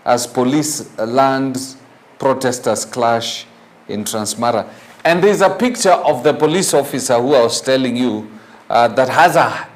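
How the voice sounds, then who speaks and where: Kenyan man hosting morning television. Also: mid-range voice. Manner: opinionated, halting, rhetorical questions, slips into Swahili. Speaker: morning TV show host. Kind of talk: newspaper review with off-the-cuff opinion.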